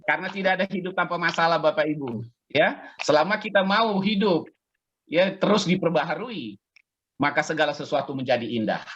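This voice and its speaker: A man in his fifties delivers a conversational sermon, pausing often to ask his listeners to respond. His voice is slightly husky. The sound is dull and lo-fi, the way audio comes through an online meeting. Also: fairly high pitch, expressive, a bit bright. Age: 50s. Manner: conversational, chatty preaching with audience call-and-response. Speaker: pastor.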